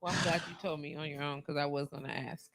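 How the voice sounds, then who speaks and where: A woman's voice: deep voice, steady tone, fast talker, fairly bright tone, no room sound. A woman hosting a radio show, bantering casually and teasing her co-host, laughing often. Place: radio studio. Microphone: studio mic.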